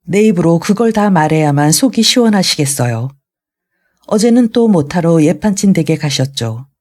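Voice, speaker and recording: An audiobook reader voicing a young man bitterly confronting his father, in a mellow tone. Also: mid-range voice, expressive, moderate pace, natural voice. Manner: bitter, raised voice.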